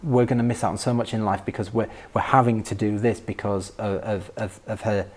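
A man in reflective personal conversation as an interview guest, thoughtful and halting, often repeating words. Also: on the low side, steady tone.

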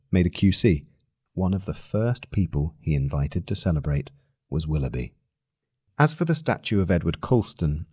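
A man reading a long-form article aloud as scripted narration, with measured, deliberate phrasing. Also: low-pitched, dark tone, no room sound, clean studio sound.

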